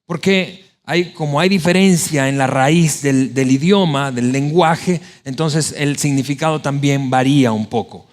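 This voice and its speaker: A man preaching a sermon as pastor, lively and emphatic, often acting out quoted prayers. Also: medium pitch, measured pace, hardly any pauses. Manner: animated preaching, voices biblical quotes.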